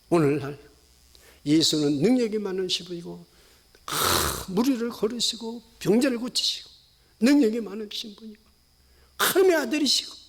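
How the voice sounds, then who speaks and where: A middle-aged male pastor preaching an impassioned sermon, swinging from hushed tones to shouts. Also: extremely high pitch, breathy edge.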